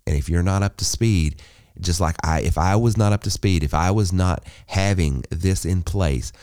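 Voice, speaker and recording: A man's voice: low-pitched, normal speed, a little mellow, clean tone, no room sound, studio quality. A man hosting a business podcast, talking emphatically and persuasively in repeated listing phrases. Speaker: podcast host. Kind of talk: solo business podcast monologue.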